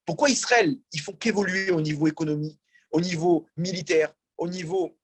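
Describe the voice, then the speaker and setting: A man's voice: sits high, moderate pace, breathy edge, no echo. A man, a rabbi, teaching a religious class and asking his audience questions as he explains. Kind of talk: religious lecture. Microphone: in-room mic, also streamed on a video call.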